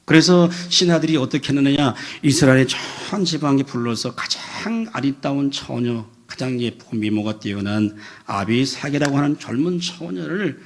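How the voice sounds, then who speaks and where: A man in his fifties, a pastor preaching a sermon, telling a story with voiced quotes and building to loud, emphatic peaks. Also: mid-range voice, moderate pace, few pauses. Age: 50s. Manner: storytelling with animated voiced quotes, rising to shouts.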